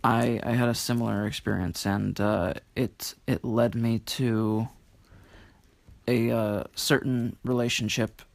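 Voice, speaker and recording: A man speaking as an interview guest, reflective and halting, repeating words and choosing slightly formal phrases. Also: medium pitch, steady tone, creaky.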